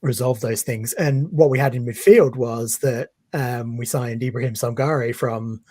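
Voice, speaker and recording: A man with a faintly husky voice, recorded close and dry. He talks football in a measured, thoughtful way, stopping often with ums and uhs as he lines up his points. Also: mid-range voice, a little mellow, dry recording. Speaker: guest, football fan page creator. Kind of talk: casual interview chat.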